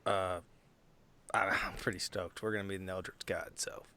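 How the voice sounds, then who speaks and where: A man's voice: low-pitched, flat delivery, normal speed, pushed and bright. A man chatting casually as a player in a tabletop game podcast. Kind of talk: casual chat.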